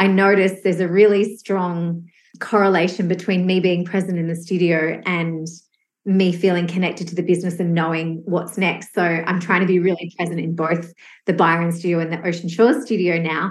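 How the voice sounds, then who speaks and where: A woman with an Australian accent, fairly low in pitch, fairly quick, with monotone, flat intonation. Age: 40s. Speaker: fitness business founder. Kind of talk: interview conversation.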